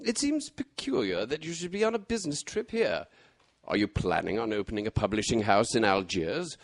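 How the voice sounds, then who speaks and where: An actor playing a courteous, shrewd gentleman detective in a radio mystery drama, formal, measured and dryly ironic. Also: fairly low pitch, sing-song, no room sound, studio quality. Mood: probing, dry.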